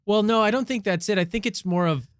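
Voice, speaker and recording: A man's voice: sits high, fast, smooth, no room sound, clean studio sound. A male podcast co-host in casual comedic chat, rambling as he spins joking hypothetical stories.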